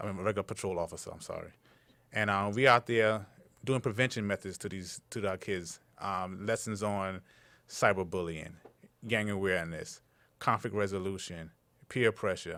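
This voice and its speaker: A man with an American accent speaks at a moderate pace in a fairly low pitch, his bright, sharp tone carrying fairly even intonation between long, frequent pauses on a very clean recording with a silent background. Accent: slight Southern accent at times. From US South, South Carolina; finished school in Brooklyn. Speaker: school safety agent. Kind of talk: interview. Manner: casual, with many fillers.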